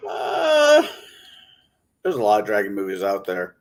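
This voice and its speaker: A man's voice: lowish voice, wildly swooping pitch, unhurried. A man chatting casually as a guest on a live talk show, asking questions and reacting. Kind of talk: casual chat.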